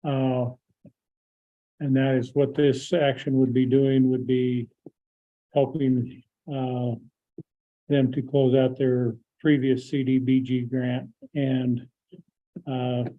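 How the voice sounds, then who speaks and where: A hoarse man chairing a county board meeting, explaining an agenda item haltingly with many filler pauses. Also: medium pitch, little pitch movement. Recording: tinny phone-like audio.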